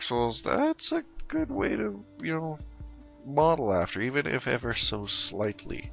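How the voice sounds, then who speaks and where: A man speaks with music playing in the background. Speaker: fan show podcast host. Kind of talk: solo news recap podcast. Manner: halting, many fillers.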